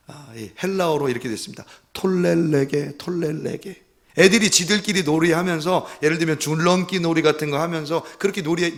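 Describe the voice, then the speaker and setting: A male pastor preaching a Sunday sermon. He tells his story quietly at first, then builds to loud, impassioned pleading, often speaking straight to the congregation. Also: medium pitch. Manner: earnest, addresses the congregation directly.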